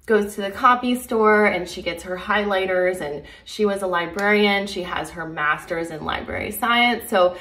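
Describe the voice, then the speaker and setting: A woman's voice: mid-range voice, moderate pace, hardly any pauses, fairly bright tone, reverberant. A woman hosting a video channel, talking to viewers in a casual, chatty, rambling way. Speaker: host of a true crime video channel.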